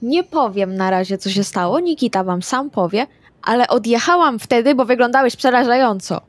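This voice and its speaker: A woman's voice: fairly high pitch, normal speed, no echo, natural voice. A woman playing a blunt, chatty female vampire in an improvised tabletop roleplay. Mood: earnest.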